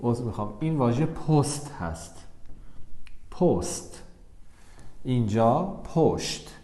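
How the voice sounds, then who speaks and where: A man teaching the Persian script in a video lesson, dictating words slowly and drawing them out between quicker instructions. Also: mid-range voice, big pitch swings, warm tone. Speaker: language teacher. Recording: roomy echo.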